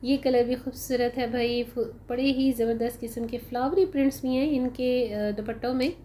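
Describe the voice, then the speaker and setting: A woman doing a casual, chatty voice-over for a shopping vlog, unhurried and full of "uh" fillers. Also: fairly high pitch, steady tone, mellow, a little hiss or hum. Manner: chatty, unhurried, frequent "uh" fillers, addresses viewers as "janab" and "bhai". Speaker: shopping vlogger. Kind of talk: casual voice-over of a sale haul.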